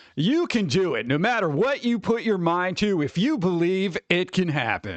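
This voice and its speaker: Put-on character voice from a man, high-pitched, at a moderate pace. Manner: overly boisterous, optimistic.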